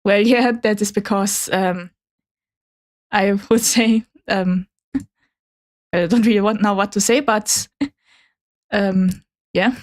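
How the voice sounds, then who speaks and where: A woman's voice: mid-range voice, steady tone, slow pace, pauses often. A woman whose first language is Chinese, chatting casually and a little awkwardly as a new VTuber streamer presenting slides. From Germany. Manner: hesitant, slightly awkward, apologetic.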